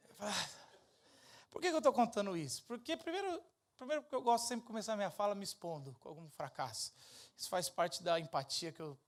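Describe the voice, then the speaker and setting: A middle-aged Brazilian man giving an informal sermon, telling personal stories in an animated, self-deprecating, conversational way. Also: high-pitched, fast talker. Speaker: speaker at a church event.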